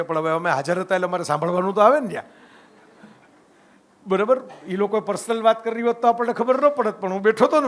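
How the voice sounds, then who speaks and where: A middle-aged man from Gujarat, India, with a high and slightly bright voice, gives a storytelling public talk. His conversational lecture blends stories with reflection, and he keeps checking in with the audience by asking "right?"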